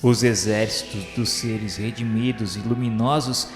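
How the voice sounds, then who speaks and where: Long reverb and music surround a man narrating a religious radio play. His mid-pitched voice moves very slowly through ornate prose, reverent and declamatory. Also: steady tone. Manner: reverent, declamatory, literary delivery. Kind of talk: solemn scripted radio drama narration. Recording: echoey hall-like reverb with music.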